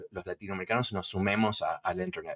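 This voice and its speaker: This man talks at a fairly quick pace with ordinary pitch variation. The recording is very clean, with a silent background. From Uruguay. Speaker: entrepreneur. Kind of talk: interview. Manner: hesitant, many fillers.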